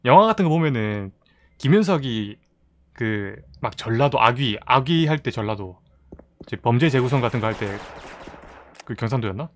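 A man's voice: medium pitch, expressive, moderate pace, pauses often, a little hiss or hum. Chatty Gyeongsang-accented man streaming a game. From South Korea, Busan. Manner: chatty, reads out chat and thanks viewers. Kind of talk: casual live-stream chat while playing.

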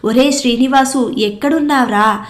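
A woman reading a miserly rich villager, impatient and scolding, storybook telling, slightly high. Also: normal speed, close to an everyday voice. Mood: distressed. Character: stingy rich village man, fussy, shouting.

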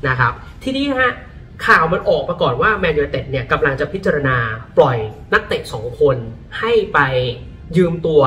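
A man talking about football in a casual, lively way, often breaking into exclamations. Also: a little high, recorded from a distance. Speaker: football pundit. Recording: voice a bit off-mic, faint music behind.

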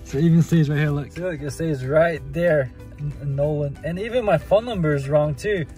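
Male vlogger, thirties, Native American rez accent, mellow and playful, casual phone recording in a vehicle. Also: a little high, normal speed, soft background music. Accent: Native American (Navajo reservation). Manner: jokey, playful. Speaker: family vlogger. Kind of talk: casual vlog chat to camera. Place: inside a parked pickup truck. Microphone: phone at arm's length.

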